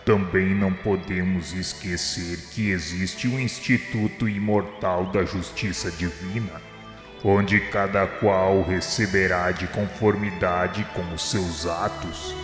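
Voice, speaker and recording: An actor playing Jesus in a radio drama as a grave, merciful divine master, speaking in measured, formal oratory. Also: male voice, deep voice. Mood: solemn, grave. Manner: measured, solemn, preaching declamation. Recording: echoey reverberant hall sound, music underneath. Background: music.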